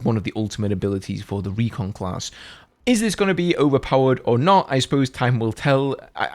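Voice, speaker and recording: A young man runs a gaming channel and talks casually to his viewers. He reads out short passages and then comments on them in a chatty way. His pitch moves around a lot, with a mid-range voice for a man. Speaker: gaming content creator.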